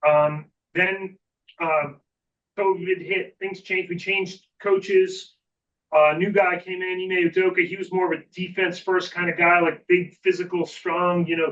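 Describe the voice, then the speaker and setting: A man with a fairly high voice talks as a podcast guest in an informal, reflective style. He sounds a bit away from the microphone, and the audio is slightly dull. His delivery is conversational, often checking in with the listener. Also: a bit bright, distant mic. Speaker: sports executive, podcast guest. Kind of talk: casual conversational interview.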